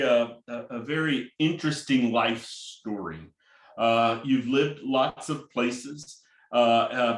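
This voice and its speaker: Halting male host in a roomy space. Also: medium pitch, fairly bright tone. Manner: halting, with many filler sounds. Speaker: host and interviewer. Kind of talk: hosting an online conversation.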